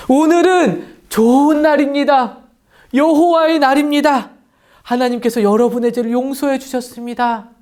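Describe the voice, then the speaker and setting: A man voicing a leader who earnestly calls out to a weeping crowd with a loud, solemn proclamation. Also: very high voice, voice pushed up.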